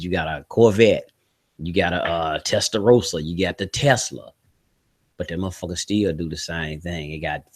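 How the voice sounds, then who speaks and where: A man hosting a podcast, ranting bluntly with heavy swearing, rhetorical questions and short chuckles. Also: low voice. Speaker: podcast host. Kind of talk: opinionated solo podcast rant.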